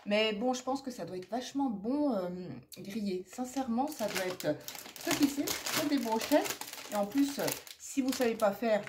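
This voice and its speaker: A woman's voice: fairly high pitch, lively intonation, moderate pace, background noise. Chatty French woman with a nagging cough. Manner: chatty and rambling, many fillers and asides. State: persistent cough. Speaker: haul vlogger. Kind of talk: casual haul chat to camera.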